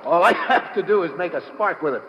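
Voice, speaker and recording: An actor playing a cool, tough American special agent in a 1950s radio drama, speaking tersely in wisecracking slang. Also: male voice, high voice, lively intonation, brisk. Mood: defiant. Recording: muffled, noisy vintage radio recording.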